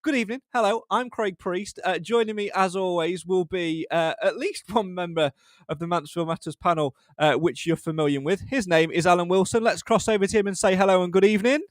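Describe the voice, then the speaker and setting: Casual podcast host, man, fairly high voice, close dry sound, chatty with lots of "uh"s. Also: brisk, dry recording. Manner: chatty, self-deprecating, with frequent fillers. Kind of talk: casual live podcast hosting.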